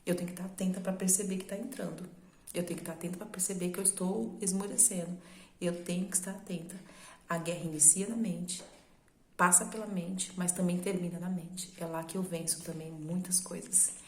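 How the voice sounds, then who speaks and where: A woman's voice: lowish voice, steady tone, brisk, reverberant. A woman with a Brazilian Portuguese accent, preaching a sermon in a conversational, explaining way that uses rhetorical questions. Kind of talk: sermon teaching.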